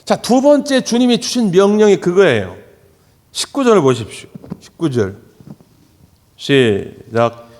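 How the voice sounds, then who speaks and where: Animated high-voiced male pastor preaching. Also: unhurried, long pauses. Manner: animated storytelling, acts out quoted voices. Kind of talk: Sunday sermon. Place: church sanctuary. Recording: long church hall reverb.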